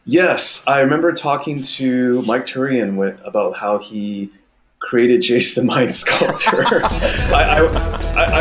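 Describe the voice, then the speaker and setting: A man's voice: medium pitch, a little hiss or hum. A man in his thirties from Taiwan, a podcast guest talking in a casual, thoughtful way with small restarts. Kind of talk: casual interview chat.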